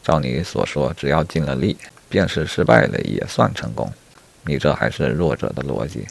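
男声演绎的轻蔑嘲讽的狼, 嗓音极低, 粗粝沙哑, 说话直率. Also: male voice, a bass voice, animated, moderate pace, vocal fry, full character voice. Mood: mocking. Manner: blunt, mocking, dismissive. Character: scornful male wolf predator, blunt and mocking. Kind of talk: storytelling.

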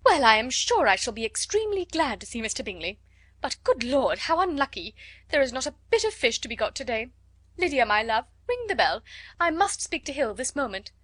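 A woman voicing a fussy, easily flustered middle-aged mother who exclaims and frets loudly in an audiobook. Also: high voice, sing-song, fairly quick, dry recording, full character voice. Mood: fretful excited. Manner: loud, exclaiming, fretful. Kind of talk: audiobook character voice.

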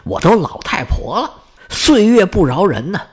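A man voicing a reserved, sorrowful middle-aged noble lady who speaks in measured, sighing tones. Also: sits high, big pitch swings, husky, heavily acted. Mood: modest.

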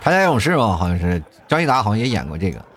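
A man in his thirties reading out viewer comments in casual chat, often shouting quoted lines in exaggerated voices. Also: on the low side, sing-song, rapid-fire, slightly rough, faint music behind. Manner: chatty, acts out quoted lines loudly.

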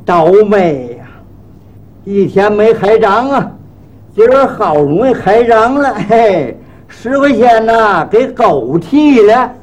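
A man's voice: high-pitched, big pitch swings, takes it slowly, muffled recording, noisy background, exaggerated voice. A man doing a grumbling, self-pitying street barber. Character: grumbling put-upon male street barber.

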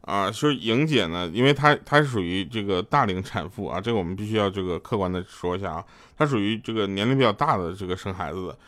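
Talking quickly in a fairly bright, low-side voice, this comedy radio host spins jokes like a storyteller. His delivery is loose and rambling, full of stumbling restarts, and he laughs between his own punchlines.

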